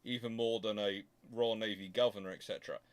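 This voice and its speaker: A man's voice: fairly low pitch, steady tone, clean tone. A man hosting a history talk, answering questions off the cuff and often stopping to rephrase as he thinks aloud. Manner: halting, thinking aloud with repeated self-corrections. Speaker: host of a naval history channel.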